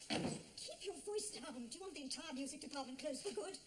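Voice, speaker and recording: A woman's voice: high-pitched, expressive, brisk, background noise. An actress playing a twittery, flustered female music teacher who lives in her own fantasies. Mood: dithering.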